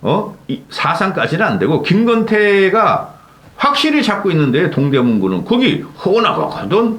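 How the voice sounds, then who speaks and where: Speaking in a Gyeongsang accent at a fairly slow pace, the voice sounds animated with very wide pitch swings, amid noticeable background noise and audible room echo. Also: man. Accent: Gyeongsang intonation. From Gyeongsang region, South Korea. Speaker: political commentary YouTuber. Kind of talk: political commentary monologue. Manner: animated, frequent interjections.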